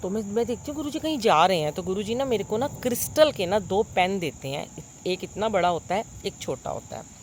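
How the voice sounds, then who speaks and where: A middle-aged woman telling a congregation about a dream. She sounds full of wonder and earnest, with lots of pauses and fillers, recorded on a phone propped nearby. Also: mid-range voice, lively intonation, slight background noise. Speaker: devotee sharing a dream with a congregation. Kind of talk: devotional storytelling.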